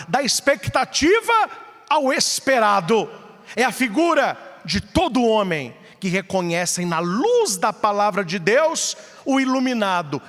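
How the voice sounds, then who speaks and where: A Brazilian man, a priest, preaching a lively sermon at a large event and acting out short everyday exchanges with humor. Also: sits high, in a large hall. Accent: Brazilian Portuguese. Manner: animated preaching, acts out couples' voices with humor.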